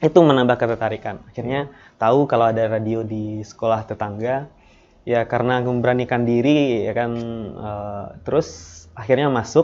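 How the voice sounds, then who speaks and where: A man speaks with a West Sumatran accent. His intonation stays fairly even. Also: medium pitch for a man, moderate pace. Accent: West Sumatran (Minang) dialect. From West Sumatra, Padang Panjang. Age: 20s. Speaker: radio broadcaster, doctoral student. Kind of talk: talk show interview. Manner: hesitant, many fillers.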